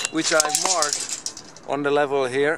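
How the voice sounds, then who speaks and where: The man's voice sounds dry, with no echo. Background noise is noticeable behind him. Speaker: diy demonstrator. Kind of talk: tutorial. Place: street. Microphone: camera far.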